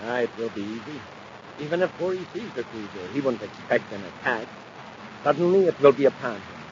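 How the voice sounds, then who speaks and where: A man's voice: mid-range voice, big pitch swings, fairly quick, natural voice. A vain, imperious nobleman villain acted by a man from a 1950s radio adventure. He speaks with pompous, theatrical grandeur. The old recording is dull and slightly noisy. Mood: imperious, confident. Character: vain, imperious aristocratic villain bent on ruling the universe.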